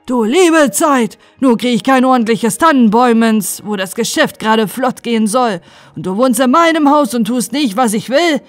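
A woman's voice: a little high, lively intonation, normal speed, few pauses, no room sound, soft background music, voice pushed up, close to an everyday voice. A woman voicing a grumpy, greedy old male carpenter who talks in broken dialect grammar. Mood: grumbling.

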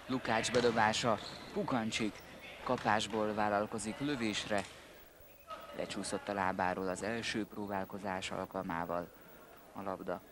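A man's voice: lowish voice, level tone. A man giving play-by-play sports commentary in short, clipped calls. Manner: terse, clipped calls of players' names. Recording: noisy indoor sports hall recording. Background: sports hall noise, bouncing ball.

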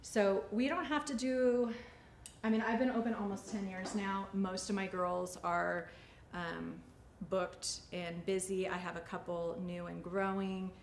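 Creaky-voiced woman chatting through a demonstration. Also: mid-range voice, fairly even intonation, measured pace. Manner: chatty, informal. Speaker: salon owner and hairstylist teaching a class. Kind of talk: casual instructional talk during a demonstration. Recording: echoey studio room, faint ambient noise.

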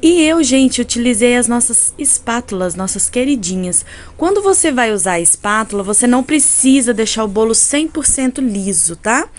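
A woman's voice: fairly high pitch, big pitch swings, normal speed. A Brazilian woman with a honking, nasal voice stuffed up by a cold, chattily narrating a casual tutorial and often checking in with viewers. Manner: chatty, addresses viewers with frequent tag questions. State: congested from a cold. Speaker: cake decorating channel host. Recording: clearly noisy home recording.

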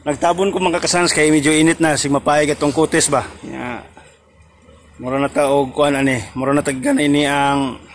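A man's voice: on the high side, flat delivery, moderate pace. A man, talking casually to his viewers through a cloth mask outdoors by the shore and thanking God often. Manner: repeatedly addresses viewers, thankful and devout. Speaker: vlogger. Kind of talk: casual vlog talk.

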